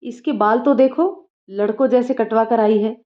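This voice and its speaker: A woman's voice: fairly high pitch, normal speed, lightly acted. A woman voicing a worried, scolding village mother, on slightly dull audio. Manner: scolding, fretful.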